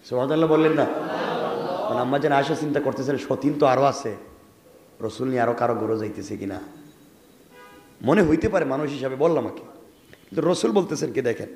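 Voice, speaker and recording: A man with a Bangladeshi Bengali accent preaching a storytelling sermon, calling out to the crowd and rising into loud cries. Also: medium pitch, fast, pauses often. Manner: calls out to the audience, swings to loud cries. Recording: echoey hall with long reverb.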